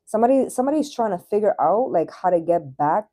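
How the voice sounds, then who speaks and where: A woman in her thirties, working as a tarot reader on a livestream, chats in a slangy, casual way with the odd swear word. Her voice is medium-pitched, animated and warm, and she talks at a quick pace.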